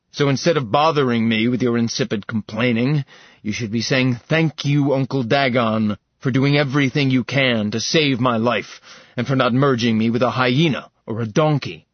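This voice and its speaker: A man's voice: mid-range voice, breathy edge, dry recording, muffled recording, close to an everyday voice. A man voicing a cruel, contemptuous ancient god of black magic in an audiobook. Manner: contemptuous, menacing.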